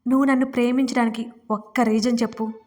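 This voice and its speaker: An angry, stubborn young husband who scolds in short, impatient bursts, read by a woman narrator. The audio story keeps him close to her own higher voice. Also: level tone, quick pace, darkish tone, big-room sound, natural voice.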